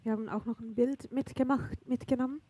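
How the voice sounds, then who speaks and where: A Swiss woman leads the conversation with friendly, encouraging questions. Her voice sits fairly high, and the recording is dry with little room sound. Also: fairly even intonation, fairly quick, warm tone, dry recording, highs cut off. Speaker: interviewer in a church talk service. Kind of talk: church stage interview. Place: church stage.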